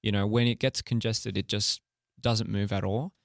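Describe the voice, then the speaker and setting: A young man with a low, gravelly voice talks through an interview in an easygoing, candid way. He leans on fillers and laughs easily, and the sound is dry and close with no room around it. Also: flat delivery, normal speed, dry recording. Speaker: interview guest, music artist and director. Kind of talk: casual interview chat.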